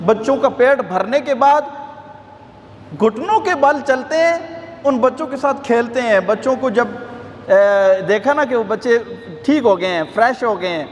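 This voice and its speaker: A man delivers an emotional storytelling sermon with a Pakistani Urdu accent, his voice rising and falling with feeling. His pitch sits high for a man. The recording is echoey, from a large mosque hall with faint ambient noise. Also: animated. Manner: impassioned, rising and falling delivery, quotes figures in his own voice. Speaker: mosque preacher.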